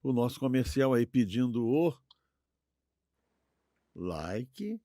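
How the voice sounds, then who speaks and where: An older man with a Brazilian Portuguese accent co-hosts a podcast in casual conversation, halting, repeating words and often looking for agreement. His mellow mid-range voice has a sing-song lilt, captured as clean studio sound with no room sound.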